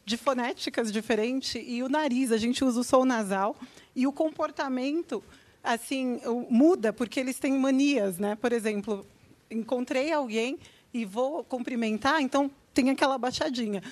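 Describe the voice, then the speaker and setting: A woman's voice: high-pitched, moderate pace, darkish tone, no room sound. A woman guest on a talk show chatting about her time learning languages abroad. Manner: chatty, laughing anecdotes. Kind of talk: casual chat.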